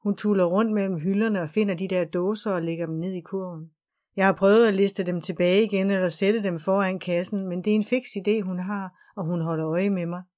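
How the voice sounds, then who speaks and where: A woman reading a novel aloud as an audiobook narrator, calm and even. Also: mid-range voice. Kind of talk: scripted narration.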